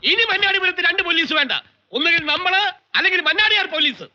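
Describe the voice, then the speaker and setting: Casting: a loud, fast-talking police chief, high and sharp voice, dull film audio. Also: male voice, heavily acted. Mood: blustering. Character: blustering police sub-inspector uncle.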